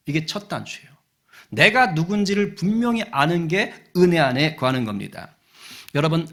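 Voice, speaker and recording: A man's voice: medium pitch, gravelly, a bit bright. Emphatic male pastor preaching. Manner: emphatic, call-and-response questions. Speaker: senior pastor. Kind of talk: sermon.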